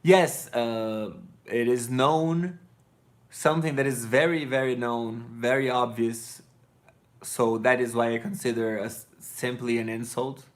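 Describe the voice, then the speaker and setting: A man's voice: mid-range voice, fairly even intonation, measured pace. Sleepy Brazilian man rambling on stream. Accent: Brazilian Portuguese. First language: Portuguese. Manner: loose, digressive, self-correcting, blunt. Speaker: streamer answering chat. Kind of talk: rambling live-stream chat. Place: living room with couch and colored lights.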